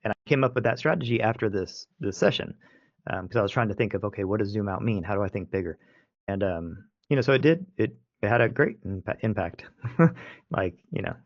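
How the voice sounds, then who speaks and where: In dry, muffled audio with no room sound, a man with a fairly low voice hosts a casual podcast conversation. He wanders off track, restarting himself and using many fillers.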